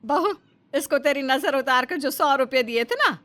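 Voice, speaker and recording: A woman's voice: sits high, expressive, moderate pace, background noise. A woman voicing a fussy, doting middle-aged mother-in-law in a cartoon, theatrical in her scolding and fondness. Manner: scolding then affectionate, theatrical. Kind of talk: Hindi cartoon voice acting.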